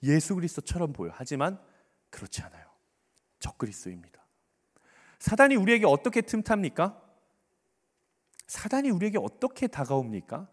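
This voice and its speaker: A male pastor preaches with animated, emphatic delivery, repeating words for force and now and then sinking into a whisper. His fairly high voice swings widely in pitch. A long reverb fills the church hall around him. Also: moderate pace, long pauses. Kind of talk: sermon. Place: church sanctuary.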